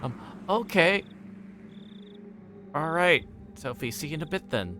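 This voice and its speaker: A man's voice: on the high side, animated, unhurried, sharp tone, slight background noise. A man livestreaming a visual novel, reading aloud and chatting casually with viewers.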